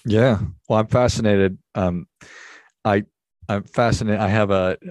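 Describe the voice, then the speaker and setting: A man's voice: lowish voice, fairly even intonation, unhurried, a little mellow, dry recording. Upbeat man hosting, dry sound. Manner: upbeat, encouraging interviewer. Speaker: podcast host. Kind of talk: interview hosting.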